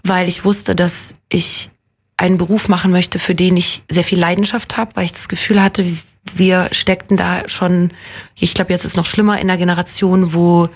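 Husky-voiced woman musing in an interview. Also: fairly low pitch, flat delivery, normal speed. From Munich, Germany. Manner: reflective and self-deprecating, rambling with many fillers. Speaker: actress and guest. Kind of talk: casual conversational interview.

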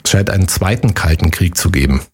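A man's voice: deep voice, fast, breathy edge. A man co-hosting a quiz podcast, chatty and joking as he tells stories and asks questions. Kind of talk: casual quiz chat.

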